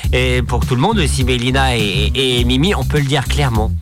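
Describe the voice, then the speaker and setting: A man's voice: medium pitch, a little fast. A man hosting a live radio show in a casual, stumbling way, often repeating his words. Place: radio studio. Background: music.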